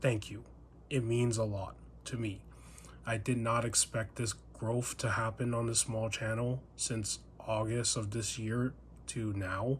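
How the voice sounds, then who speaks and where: With a somewhat breathy, medium-pitched voice, a man speaks in a monotone, flat way at a fairly slow pace, leaving long, frequent pauses. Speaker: action figure reviewer. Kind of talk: casual talk to camera. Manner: halting, some stuttering and filler words.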